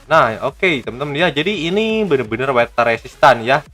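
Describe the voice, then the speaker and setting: A man gives a casual hands-on gadget review. His voice sits at an ordinary male pitch, and he talks to viewers like friends, with music behind him. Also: very animated, fairly quick, a bit bright. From Indonesia. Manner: chatty, addresses viewers as friends.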